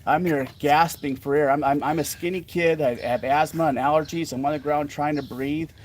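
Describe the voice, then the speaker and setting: A man's voice: on the high side, steady tone, moderate pace, slight background noise. A man co-hosting a podcast, telling a story from his childhood in a rambling, self-correcting way. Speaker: podcast co-host. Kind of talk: casual storytelling.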